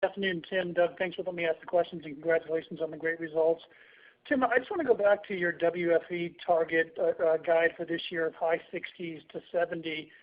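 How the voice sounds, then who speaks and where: A man's voice: fairly high pitch, fairly even intonation, brisk. A man speaking as a financial analyst, putting polite, conversational questions on an earnings call. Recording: tinny phone line.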